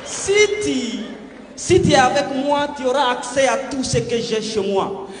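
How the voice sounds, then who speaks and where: A man's voice: very high voice, measured pace, crowd noise, noisy background. A man performing slam poetry in a rhythmic, declamatory delivery. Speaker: slam poet. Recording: long hall reverb with music underneath.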